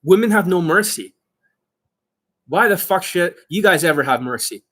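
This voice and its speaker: A man giving informal coaching to online viewers as their host, brash and boastful, with emphatic, sweary delivery and a slightly rough, husky voice. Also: high-pitched, lively intonation, moderate pace, pushed and bright. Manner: acts out mock exchanges, emphatic.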